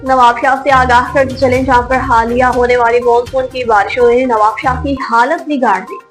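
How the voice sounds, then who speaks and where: Woman news anchor, higher voice. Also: fairly even intonation, soft background music. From Pakistan. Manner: formal, measured Urdu news delivery. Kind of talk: read news bulletin.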